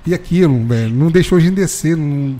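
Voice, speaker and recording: Man, rapid, fairly high voice, animated slangy storytelling. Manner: animated, slangy, keeps saying "velho". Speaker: football fan telling a story. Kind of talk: casual storytelling chat.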